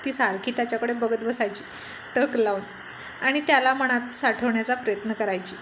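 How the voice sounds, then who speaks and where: A woman storyteller reading a serialized romance story aloud in a steady storytelling manner. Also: on the high side, moderate pace, slight background noise, low-quality recording.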